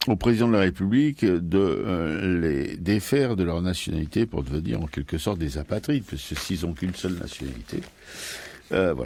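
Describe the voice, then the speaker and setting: With a very deep, low pitch, vocal fry and a dark, mellow tone, a man speaks at a moderate pace while his pitch swings very widely. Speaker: radio host. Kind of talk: radio talk show. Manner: halting.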